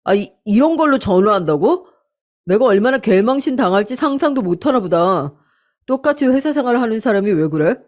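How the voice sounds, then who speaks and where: A woman's voice: on the high side, expressive, brisk, a little mellow, lightly acted. Woman voicing a defensive young husband in a radio story; blustering, irritable. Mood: defensive angry. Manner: defensive, irritable, brushing off accusations.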